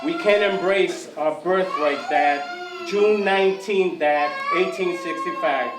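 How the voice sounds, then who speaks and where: A man voicing an excited young boy. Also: on the high side, slow pace, over music, voice pushed up. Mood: joyful. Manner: pleading, emphatic, rising outbursts. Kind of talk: spoken word poetry performance. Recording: echoey room, mic from far off.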